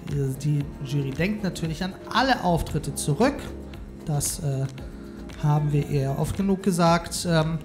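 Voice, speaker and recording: A man hosting a poetry slam on stage at a stand mic, chatty and announcing the scores with some fillers. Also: high voice. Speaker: slam host. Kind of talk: live event moderation. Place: stage in a hall with audience. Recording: live hall with crowd and music.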